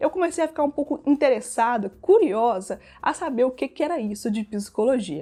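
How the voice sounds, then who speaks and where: With a Minas Gerais accent, a woman talks at a moderate pace with hardly any pauses, her high voice dark and mellow in tone and her intonation lively. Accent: Minas Gerais (mineiro) Brazilian Portuguese. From Brazil, Minas Gerais (Belo Horizonte). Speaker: psychologist, YouTuber. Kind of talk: casual talk to camera.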